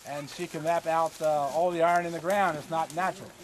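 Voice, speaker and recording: A high-pitched man at a fairly quick pace, with light background noise. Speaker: archaeology site guide. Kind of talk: field tour talk to a group. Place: forest. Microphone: camera far.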